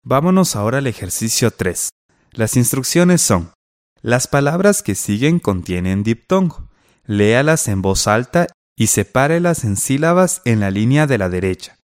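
A man teaches a scripted radio class, reading out exercises with a lively, varied pitch. His voice is close and dry, with no room sound. He speaks clearly and explains each step. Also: moderate pace, no echo.

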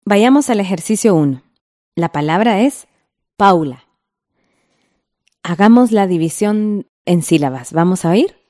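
A woman teaching a radio class, reading a scripted lesson in a slow, patient way and drawing out the example words. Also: mid-range voice, lively intonation, warm tone.

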